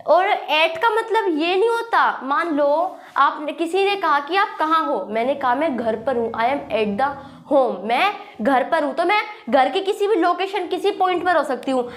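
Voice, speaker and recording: A young woman, teaching English grammar in a classroom style with a sore throat, repeating points and reading example sentences slowly. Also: extremely high pitch, animated, a bit bright. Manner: repetitive, checks understanding with "thik hai". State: sore throat with a slight cough. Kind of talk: classroom lesson, explaining with examples.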